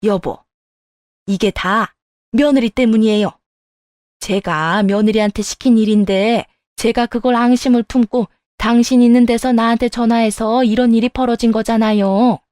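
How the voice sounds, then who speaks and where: A woman voicing an arrogant, spiteful middle-aged mother-in-law who yells at her daughter-in-law in a narrated story. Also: fairly high pitch, steady tone, moderate pace, no room sound, clean studio sound, close to an everyday voice. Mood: pleading. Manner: yelling, then whiny pleading. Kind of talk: storytelling dialogue.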